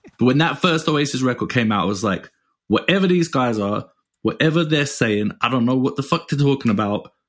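Man with an English accent, medium pitch, lively intonation and a fairly quick pace, very clean recording with a silent background. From England. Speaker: guitarist. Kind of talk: casual chat.

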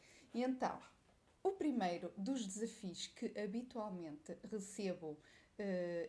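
A woman's medium-pitched, somewhat breathy voice with a dark, mellow tone, very slow pace and lively intonation. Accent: European Portuguese. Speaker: fashion stylist and coach. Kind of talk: live stream monologue. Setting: live video stream. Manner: casual, with fillers and repetitions.

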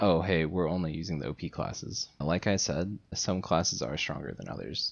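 A man speaks at a very deep, low pitch with vocal fry and ordinary pitch variation. He barely pauses at all. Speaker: podcast co-host. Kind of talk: casual chat.

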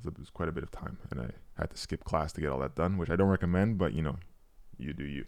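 A man with a very deep, low voice speaks in a relaxed tone in a very clean recording with a silent background. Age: 20s. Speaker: solo sports podcast host, athlete. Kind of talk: casual solo talk, educational. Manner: relaxed, conversational.

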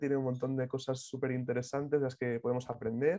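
The man's fairly high voice carries a dark, mellow tone. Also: quiet background. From Spain, Alcoy (Valencian Community). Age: 20s. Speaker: podcast host. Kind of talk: casual chat.

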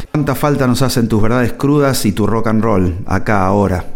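Recorded with noticeable background noise and audible room echo, a man with an Argentine accent speaks at medium pitch and a moderate pace. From Argentina. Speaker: musician. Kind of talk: reading a personal letter.

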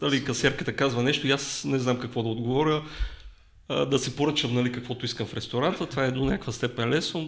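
A man's medium-pitched voice races along very fast, its intonation fairly even. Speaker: political analyst and researcher. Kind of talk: casual interview conversation.

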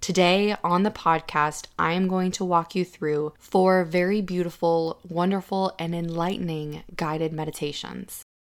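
Quiet and in a monotone, flat intonation, the speech moves at a fairly slow pace with hardly any pauses. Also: woman. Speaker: podcast host and meditation guide. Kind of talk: guided meditation, slow second-person instructions to breathe and visualize. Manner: calm, serene, hushed delivery; slow, unhurried pacing with pauses for breathing.

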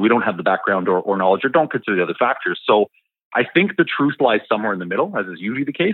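With lively intonation, a man races through his words at a very fast pace. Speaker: mortgage broker. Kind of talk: short interview.

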